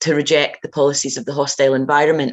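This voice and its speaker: A woman with a Glasgow accent and a very deep, low voice. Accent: Glasgow Scottish. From Scotland, Glasgow. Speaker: anti-racism campaigner. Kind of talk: talk to a meeting. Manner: halting, many fillers.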